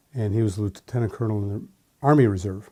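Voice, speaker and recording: The recording is very clean, with a silent background. A man with an American accent and a fairly low, dark, mellow voice talks at a fairly quick pace. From US Midwest, Chicago. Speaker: war veteran. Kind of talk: oral history interview. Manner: halting, many fillers.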